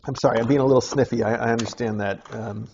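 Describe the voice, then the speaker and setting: Guy opening kitten mail, chatty, mid pitch, kinda lo-fi with a little hiss. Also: fairly even intonation, fast, gravelly. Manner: chatty, talks to kittens in a high coaxing voice. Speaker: channel host opening mail. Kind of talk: casual narration while unboxing. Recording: slightly dull lo-fi sound, faint noise.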